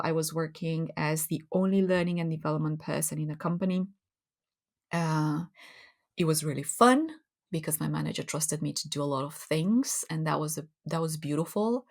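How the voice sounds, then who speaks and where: A woman from Romania with a Romanian accent, a podcast guest speaking reflectively and earnestly, often restarting phrases and laughing. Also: fairly low pitch. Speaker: guest, community builder. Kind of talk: podcast interview conversation.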